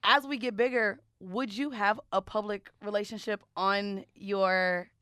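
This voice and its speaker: A woman's voice: medium pitch, fairly even intonation, measured pace, a bit bright, smooth, dry recording, clean studio sound. A woman co-hosting a podcast, putting questions to the others in an informal, slangy, chatty way. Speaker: podcast co-host.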